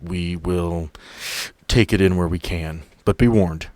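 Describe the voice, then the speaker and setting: A man's voice: deep voice, slow, a little mellow, dry recording. A man hosting a tabletop game podcast as game master, chatting casually, joking, swearing freely and interrupting himself.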